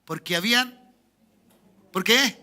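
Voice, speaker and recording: Bright-voiced Chilean pastor preaching. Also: male voice, high-pitched, animated, slow pace. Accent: Chilean Spanish. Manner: preaching with rising emphatic peaks and quiet asides, asking the congregation for amens. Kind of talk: sermon. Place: church sanctuary.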